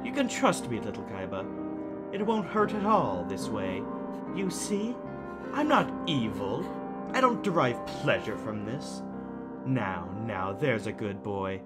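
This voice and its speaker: A man playing a slow, cooing, taunting villain. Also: on the low side, sing-song. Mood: cooing menace. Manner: mocking, cooing, condescending. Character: taunting, soft-spoken male kidnapper villain, sadistically tender. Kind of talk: audio drama acting. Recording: music under the voice.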